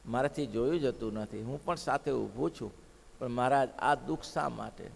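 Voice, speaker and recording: A man's voice: medium pitch, brisk, gravelly, mellow, slightly rough, voice pushed down. A man voicing a grieving devout village woman. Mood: pleading. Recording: long hall reverb.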